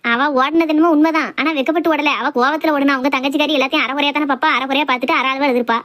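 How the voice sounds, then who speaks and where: A woman voicing a sharp-tongued, outspoken village wife and mother in a cartoon family drama, scolding and argumentative with a Tirunelveli Tamil accent. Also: sits high, fairly even intonation. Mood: concerned, insistent. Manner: scolding, argumentative, rapid complaints.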